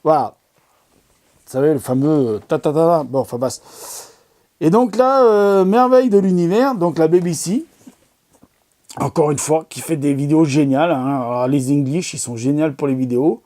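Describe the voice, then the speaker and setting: A man with a mellow, warm voice that sits a little high, talking casually to his viewers. He rambles with enthusiasm, stumbling over fillers and restarting his sentences as he recommends documentaries. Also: expressive, normal speed, long pauses. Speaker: amateur astronomy video host. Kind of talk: casual product recommendation talk.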